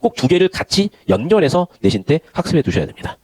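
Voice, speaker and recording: A man gives a Korean literature lesson at a very fast clip. His pitch swings widely and sits a little high. He slides between polite and casual speech. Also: big pitch swings, a little mellow, no room sound. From Gyeongsang region of Korea. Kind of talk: online lecture.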